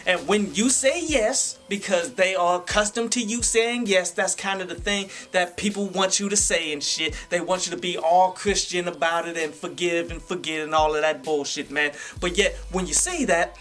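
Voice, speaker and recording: High-pitched American man, slangy video host. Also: moderate pace, hardly any pauses, a bit bright. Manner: slangy, frequent swearing, punctuates with "man". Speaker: host of a YouTube review show. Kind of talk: casual opinionated commentary. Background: music behind the voice.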